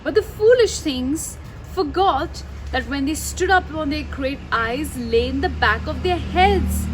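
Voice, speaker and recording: A woman reading a story aloud to children outdoors, expressive and often putting questions to her listeners. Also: sits high. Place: outdoors under a mango tree. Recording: noisy outdoor recording.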